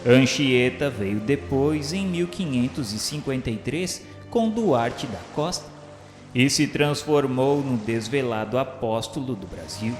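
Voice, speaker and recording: A man with a Brazilian Portuguese accent reads a religious radio drama narration in a formal, solemn, measured way. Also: mid-range voice, expressive. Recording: roomy reverberant sound with music underneath. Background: music.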